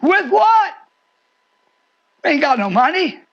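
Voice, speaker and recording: An elderly man voicing an excitable, incredulous biblical fisherman, exclaiming and questioning in a folksy, raspy voice. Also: very high voice, takes it slowly, voice pushed up, exaggerated voice. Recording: dull lo-fi shortwave radio sound.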